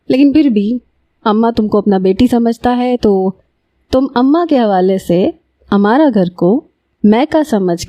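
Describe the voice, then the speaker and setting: A woman voices a calm and kindly young lawyer in a storybook reading. He speaks in a gentle, measured way. The tone is soft and mellow, and the recording is dry. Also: mid-range voice, dry recording, lightly acted.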